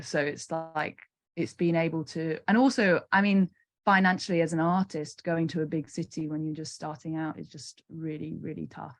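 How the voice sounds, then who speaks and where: A young woman from Carlisle, answering casually as a musician guest. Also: low-pitched. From Carlisle, Cumbria, England. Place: online video call.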